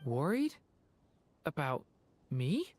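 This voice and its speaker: A woman voicing a gentle, earnest young boy in a video game, soft and a little hesitant. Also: deep voice, sing-song, extremely slow, slightly rough, heavily acted. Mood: touched, apologetic.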